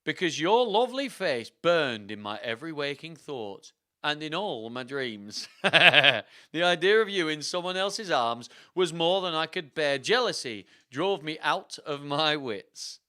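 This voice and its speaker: A man's voice: on the high side, lively intonation, a little slow, sharp tone, voice pushed up. A man voicing a murderous, scheming male suitor in a storybook, with pleading, overwrought theatrical delivery. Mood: passionate, overwrought. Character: melodramatic scheming murderous male suitor narrating his tale. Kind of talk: theatrical storybook read-aloud.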